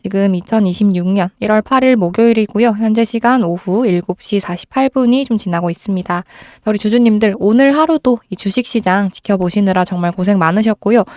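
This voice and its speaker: A woman speaks as the host of a market commentary, in a medium-pitched voice. She explains step by step and addresses her viewers politely and reassuringly. A cold puts a slight strain on her voice. The sound is dry and free of room echo. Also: a little fast, hardly any pauses, a little mellow. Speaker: host of a stock market channel.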